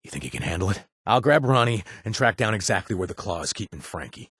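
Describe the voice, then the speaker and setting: A man's voice: fairly low pitch, expressive, fast, fairly bright tone, slightly rough, no echo, studio quality. An actor playing a young male ex-gang member, a chatty ally in a video game who cracks jokes and puns. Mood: urgent. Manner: jokey, punning, chatty with fillers.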